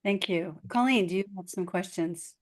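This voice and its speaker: A woman moderating a judging session, briskly thanking the presenter and calling on judges. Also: on the low side. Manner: brisk, calls on judges by name.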